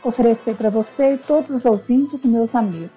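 A woman's voice: fairly high pitch, a little fast, warm tone, slightly rough, faint music behind. A Brazilian woman calling a radio show to request a song, friendly and plain. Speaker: caller.

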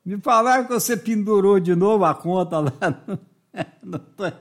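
A man's voice: high-pitched, normal speed. A man from hosting a playful morning radio show, joking and teasing callers and friends. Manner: jokey, teasing, laughing a lot. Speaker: radio host.

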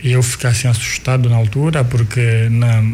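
A man in his forties with an Angolan Portuguese accent and a mid-pitched voice. Kikongo is his first language, and he tells his story thoughtfully, pausing and restarting as he searches for words. A faint hiss of noise sits under the recording. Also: flat delivery, a little mellow. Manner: unhurried, restarts and repeats words while recalling. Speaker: guest, artist and cultural manager. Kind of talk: reflective life-story telling.

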